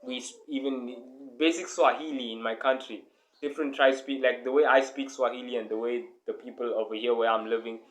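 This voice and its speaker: A man's voice: mid-range voice, steady tone, a little fast, rough recording. A young man from South Africa, host of a reaction video, talking casually and rambling, with lots of filler words and some swearing.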